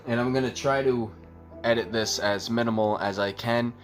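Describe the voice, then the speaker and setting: A man's voice: medium pitch, fairly even intonation, normal speed, faint music behind. A man giving a casual step-by-step demonstration, his voice muffled because he talks through a tube, rambling with lots of fillers. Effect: voice muffled by talking through a tube.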